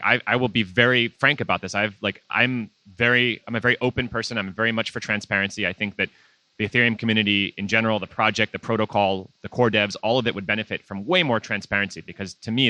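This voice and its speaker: Loud, frank man speaking on a panel. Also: lowish voice, dry recording, rough recording. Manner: frank, emphatic, many restarts. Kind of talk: live panel discussion. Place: conference venue.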